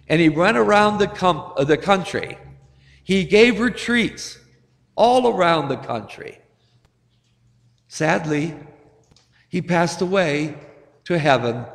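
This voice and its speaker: Older priest, slightly high voice, unhurried homily, echoing church. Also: male voice, creaky. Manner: gentle, storytelling, chuckles at his own jokes. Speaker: Catholic priest. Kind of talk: sermon.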